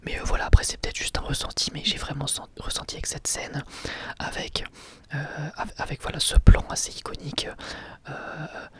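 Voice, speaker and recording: A man giving a whispered ASMR review of an anime episode, soft and unhurried, full of hesitations and casual slang. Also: on the high side, fairly even intonation.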